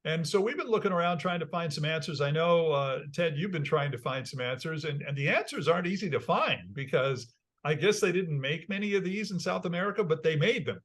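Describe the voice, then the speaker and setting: A man hosting a car podcast in a studio, chatty and enthusiastic, with loud intro announcements. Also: a little high, lively intonation, a little fast. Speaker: podcast host. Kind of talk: casual talk show hosting.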